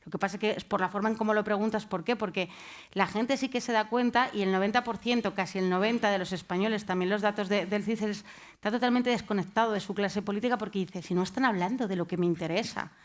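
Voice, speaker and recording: A woman's voice: mid-range voice, fast. Female journalist on a live panel; thoughtful, hesitant delivery. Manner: hesitant, many fillers. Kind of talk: panel discussion.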